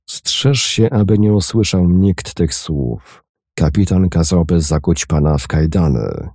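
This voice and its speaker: A man's voice: deep voice, animated, unhurried, no echo, studio quality, full character voice. A man voicing a frightened young male sailor who speaks nervously in a storybook reading. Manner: nervous, hushed.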